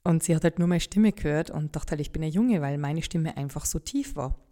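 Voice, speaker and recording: Low, mellow-voiced Bavarian woman. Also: fairly quick. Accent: light Bavarian. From Upper Palatinate, Bavaria. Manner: candid, reflective, with many fillers and restarts. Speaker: podcast host. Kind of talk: personal storytelling podcast.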